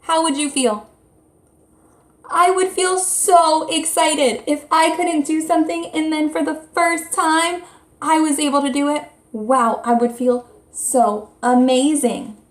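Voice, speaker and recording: A woman with a fairly high voice teaches young children through a read-aloud. She speaks slowly and expressively, explaining things in simple words. The recording is roomy and echoey. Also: fairly even intonation. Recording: roomy, echoey indoor sound.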